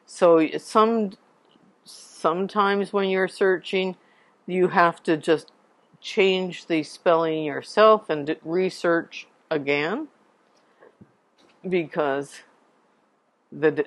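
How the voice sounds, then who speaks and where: Slow-paced woman giving a genealogy talk. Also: on the low side, dry recording. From Canada. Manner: unhurried, explanatory, spells out names letter by letter. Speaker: genealogy presenter. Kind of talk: informal presentation to a local society.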